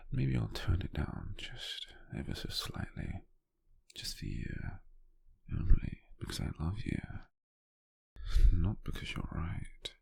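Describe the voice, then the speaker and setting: A British man playing a gentle, doting, teasing lover in an intimate, breathy, half-whispered ASMR roleplay, close to the microphone. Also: deep voice, expressive, no echo, exaggerated voice. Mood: playful teasing. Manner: slow, tender, softly teasing.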